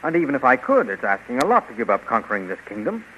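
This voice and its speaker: A cocky young space hero. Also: male voice, medium pitch, sing-song, fast, bright, forceful tone, slight background noise. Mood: reassuring. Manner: confident, reassuring. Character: bold young male adventurer hero. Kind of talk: 1930s radio drama acting. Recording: dull 1930s radio recording.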